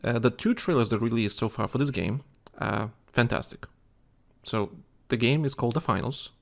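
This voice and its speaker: Man, gravelly, tired, halting gaming chatter, lots of restarts. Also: mid-range voice. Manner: rambling, halting, many restarts and fillers. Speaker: podcast co-host. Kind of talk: casual gaming chat.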